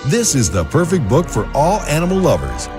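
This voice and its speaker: Promo announcer: man, higher-pitched, hugely varied intonation, selling copy over clear music. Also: huge pitch swings, moderate pace. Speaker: advertisement announcer. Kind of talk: scripted book promo read. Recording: music bed under voice. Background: clear background music.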